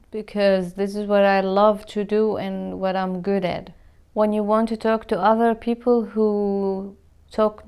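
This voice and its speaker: A woman's voice: mid-range voice, darkish tone, clear, resonant tone. A woman from Syria, a musician, speaking English in an earnest interview and searching for words as she talks. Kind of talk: interview answers to camera.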